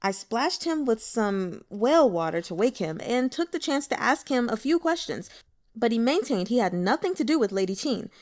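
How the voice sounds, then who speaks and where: A woman voicing an earnest, anxious young male subordinate who speaks in a hurried, pleading way. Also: a little high, very animated.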